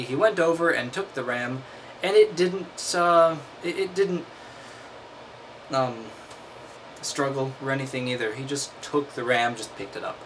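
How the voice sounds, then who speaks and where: A man's voice: medium pitch, a bit bright, slight background noise, rough recording. A man reading aloud and breaking off into wry, mocking commentary. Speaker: host.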